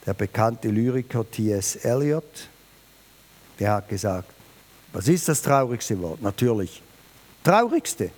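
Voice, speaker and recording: A man preaching a New Year sermon, emphatic and lively, speaking directly to his listeners. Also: unhurried. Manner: lively, emphatic, varies pitch and volume, addresses listeners directly.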